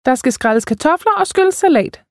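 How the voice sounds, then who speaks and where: A woman's voice: sits high, lively intonation, dry recording, clean studio sound, pitched above the performer's own voice. A woman reading aloud, voicing a bossy woman who scolds in jest. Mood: mock-scolding. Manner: mock-scolding.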